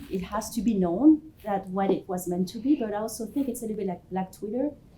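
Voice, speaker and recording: A woman speaks at a fairly quick pace with lively intonation. Noticeable background noise runs underneath. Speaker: academic author. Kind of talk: conference Q&A. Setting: conference with audience. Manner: soft-spoken.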